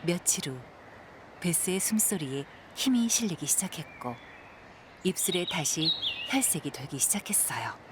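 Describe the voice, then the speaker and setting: A woman narrating a scripted audio drama with gentle, measured storytelling and a breathy voice. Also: on the low side, expressive, heavy background noise.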